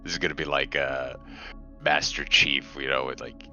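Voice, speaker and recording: Male player, extremely deep voice, flat intonation, deadpan, lo-fi mic. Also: moderate pace. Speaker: player in a tabletop roleplaying game. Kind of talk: casual joking game chat. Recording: lo-fi mic with faint music.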